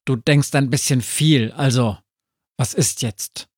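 A man's voice: mid-range voice, slow, slightly rough, dry recording, studio quality, voice pushed up. Man doing a grumbling grumpy dwarf. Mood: scheming. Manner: grumbling, snorting. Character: grumpy scheming male dwarf, the Krampus.

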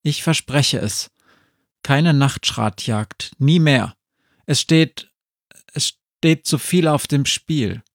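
A man's voice: a little high, slow, vocal fry, dry recording, studio quality, pitched above the performer's own voice. A man playing a stubborn young hunter, blunt, resolute.

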